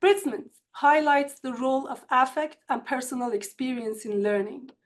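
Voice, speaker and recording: A woman with an Iranian accent presents to colleagues in an online seminar, speaking in a measured, earnest way from prepared remarks. Her voice sits a little high for a woman. It comes through a computer mic on a video call. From Iran. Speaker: university instructor. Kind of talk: academic webinar presentation.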